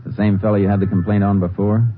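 Texas Ranger lead, played by a man: quick, plain-spoken, firm investigator, narrow-band 1950s radio sound. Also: lowish voice, flat delivery, natural voice. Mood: probing. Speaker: lead character and narrator. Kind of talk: 1950s Western radio drama acting. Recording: muffled, noisy 1950s radio recording.

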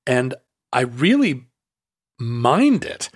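Man, podcast co-host, halting speech full of restarts, dry close sound. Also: medium pitch, big pitch swings, husky, no room sound. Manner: halting, many restarts and fillers. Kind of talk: casual conversation.

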